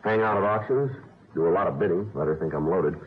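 An actor playing a matter-of-fact police detective who narrates in short, flat sentences, in a 1950s radio crime drama. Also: male voice, low-pitched, fast talker, husky. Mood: dry. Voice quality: flat, clipped delivery. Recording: tinny old radio broadcast.

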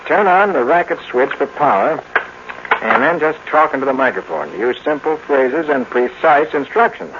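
An American actor playing a skeptical, easygoing boyfriend in a 1950s radio drama, talking in a colloquial, grumbling way. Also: male voice, on the high side, lively intonation, normal speed, natural voice. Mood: skeptical, amazed. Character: skeptical, easygoing boyfriend giving a robot orders. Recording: muffled noisy old radio recording.

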